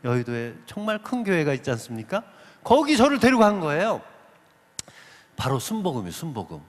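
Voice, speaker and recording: A man giving an animated testimony to a church congregation, telling his story vividly, acting out voices and putting questions to the listeners. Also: a little high, brisk. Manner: lively storyteller who acts out quoted voices and asks the audience questions. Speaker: guest speaker giving a testimony. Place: large church sanctuary. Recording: long reverb of a big sanctuary.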